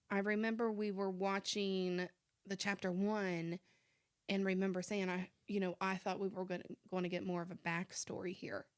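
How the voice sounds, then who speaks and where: A woman's voice: mid-range voice, no echo, studio quality. A woman co-hosting a casual movie review podcast, talking in a teasing, conversational way. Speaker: podcast co-host.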